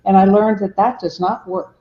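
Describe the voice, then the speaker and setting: A woman's voice: mid-range voice, fairly even intonation, moderate pace. A woman raised in Mexico, a ministry director and podcast guest, explaining her work in an earnest way and acting out what other people say. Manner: earnest, explanatory, acts out quotes. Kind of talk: podcast interview. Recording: dull, roomy remote audio.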